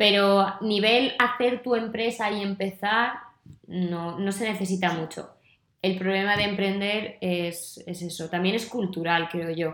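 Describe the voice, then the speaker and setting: A woman of medium pitch with an unremarkable speaking voice, fairly even intonation and a fairly slow pace. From Sweden, half Spanish. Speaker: online florist business co-owner. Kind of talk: casual interview chat. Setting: recorded live in person, shared mic.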